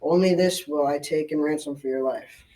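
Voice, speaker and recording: A man's voice: fairly high pitch, moderate pace, dark tone, distant mic, lightly acted, rough recording. A teenage boy playing a stern, commanding Black Knight in a school radio drama, with formal, archaic speech. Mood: demanding.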